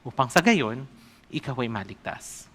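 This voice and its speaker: A man preaching a sermon as an evangelist, often asking the congregation questions and reading scripture aloud slowly. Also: mid-range voice, very animated, a bit bright.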